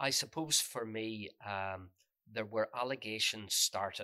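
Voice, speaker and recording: Man with a Northern Irish accent, fairly low pitch and bright, sharp tone, fairly slow, in a dry, close sound with no echo. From Northern Ireland. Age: 60s. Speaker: journalist. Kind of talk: interview.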